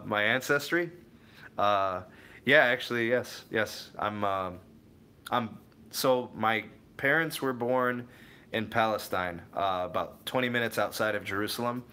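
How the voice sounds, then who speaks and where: Young man, from the Cleveland area, tech stream host, bright voice, slightly low pitch, rambling chat. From Cleveland area, USA. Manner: rambling, self-correcting, answers viewers by name. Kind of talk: casual live chat reading viewer comments.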